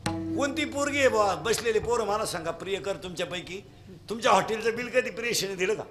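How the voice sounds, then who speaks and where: High, bright-voiced preacher. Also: male voice, fairly quick, soft background music. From Maharashtra. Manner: lively, mocking, mimics people in their own voices. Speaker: kirtan preacher. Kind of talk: humorous devotional kirtan sermon.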